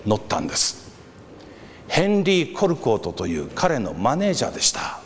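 A man preaching a sermon, telling a story and acting out the voices of a crowd with lively animation. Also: mid-range voice, fairly quick. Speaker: pastor. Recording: reverberant hall with faint background noise.

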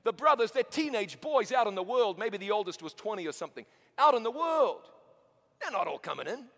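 A man preaching with a New Zealand accent touched by American sounds. His voice sits high, and he tells his story in a lively, joking way. A long reverb trails his words across a big hall. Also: brisk. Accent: New Zealand with an American tinge. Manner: animated, chatty, self-mocking asides. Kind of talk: storytelling sermon.

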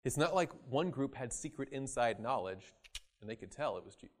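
A man preaching a sermon, acting out quoted voices and swinging from loud emphasis to quiet asides. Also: mid-range voice, lively intonation, a little fast. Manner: dramatic, acts out voices in quoted scripture.

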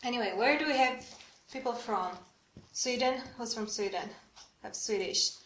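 Woman presenter, higher voice, asks the room questions, echoey hall. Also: moderate pace, a bit bright. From Romania. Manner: engaging, asks the audience questions. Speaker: prayer workshop presenter. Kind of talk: church workshop talk.

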